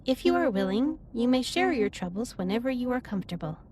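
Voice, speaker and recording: A woman playing a caring alien starship captain in a sci-fi audio drama, speaking formally and in measured phrases with gentle reassurance. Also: on the high side, very animated, slight background noise. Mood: gentle, reassuring. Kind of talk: scripted roleplay audio drama, intimate comforting monologue. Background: ambient music.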